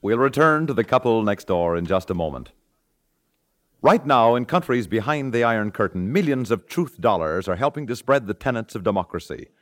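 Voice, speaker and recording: A male American announcer from 1950s radio, reading formally and earnestly. His mid-pitched voice moves in lively swings, recorded dry with a little music around it. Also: fairly quick, no echo.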